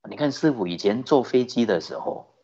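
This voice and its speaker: Buddhist teacher, male, animated sermon delivery, breathy husky tone, muffled low-fi recording. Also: brisk. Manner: lively storytelling, rhetorical questions, chuckling. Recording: dull lo-fi recording.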